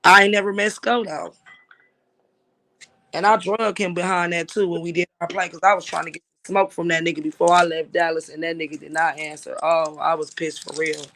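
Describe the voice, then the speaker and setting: High-voiced man ranting on a livestream. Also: flat delivery, a little fast, pushed and bright, slight background noise. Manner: emphatic, profane, repeats "like I said". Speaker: livestream host. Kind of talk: casual livestream talk.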